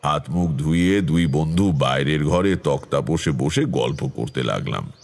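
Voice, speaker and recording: An actor playing a brooding tantric storyteller, narrating an eerie village tale in a measured, dramatic way. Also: male voice, extremely low pitch, expressive, gravelly, a little mellow, heavily acted. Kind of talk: dramatic first-person horror narration.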